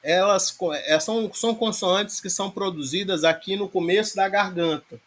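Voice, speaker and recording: A man's voice: sits high, pushed and bright. A man teaching a class, explaining grammar step by step and often checking in with his students. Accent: Brazilian Portuguese. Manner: explains patiently with many filler checks like "né?". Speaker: Greek language teacher. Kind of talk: online lecture on grammar.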